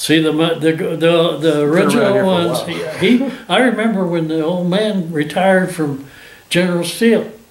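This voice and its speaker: A man speaks at a moderate pace in a high voice, with ordinary pitch variation. Noticeable background noise runs under the clip. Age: 80s+. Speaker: war veteran, retired lawn care worker. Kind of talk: interview answer.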